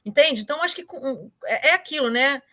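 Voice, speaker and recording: A woman tells a story as an interview guest. Her voice sits high and sounds bright and sharp. She talks casually and animatedly, with many fillers and repeated words. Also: lively intonation, brisk. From Brazil.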